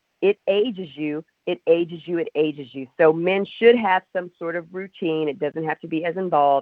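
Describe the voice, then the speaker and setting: At a moderate pace, a woman talks in a plain, everyday voice with ordinary pitch variation and big swings in loudness. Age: 40s. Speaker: pharmacist and radio host. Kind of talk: casual chat.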